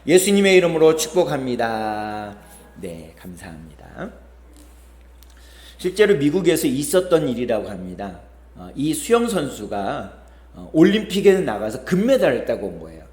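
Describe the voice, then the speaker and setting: A man's voice: mid-range voice, huge pitch swings, normal speed, mellow, echoey room. A male pastor preaching a sermon, telling stories with quoted voices and rising, falling emphasis. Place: church sanctuary.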